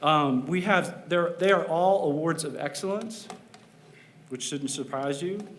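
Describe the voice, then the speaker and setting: A man's voice: on the high side, a little slow, fairly bright tone. A man, the superintendent, reading out board awards at a meeting, with frequent fillers between names. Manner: reads names with many um and uh fillers. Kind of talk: formal award presentation.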